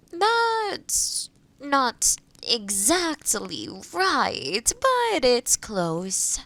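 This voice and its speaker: Woman playing a kind, high-voiced, unhurried witch. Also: gravelly, full character voice. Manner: gentle, explanatory, thoughtful, lightly amused. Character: kind, enthusiastic young woman forest witch. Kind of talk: roleplay audio drama addressed to the listener.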